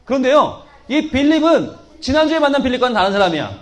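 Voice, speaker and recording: A male pastor giving a children's sermon in a playful, teasing manner. His voice sits very high for a man and swings up and down with energy. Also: big pitch swings, fast.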